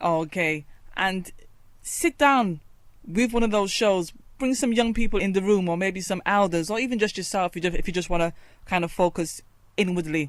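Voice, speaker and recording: This woman uses a normal speaking voice, medium in pitch, with ordinary pitch variation and a moderate pace. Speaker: radio talk show host. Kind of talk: radio interview questions.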